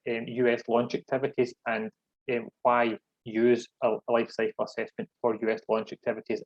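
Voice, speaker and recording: Man, thick Scottish accent, mid-pitched voice, deliberate webinar presenter, muffled lo-fi recording. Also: a little mellow. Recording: dull, lo-fi online call audio.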